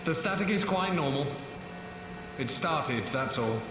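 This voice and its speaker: A man's voice: a little high, lively intonation, unhurried. An actor playing an eerie, courteous but menacing reclusive man in a horror audio drama. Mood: quietly menacing. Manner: courteous but sinister, evasive. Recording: very echoey cavernous hall, distant, clear noise.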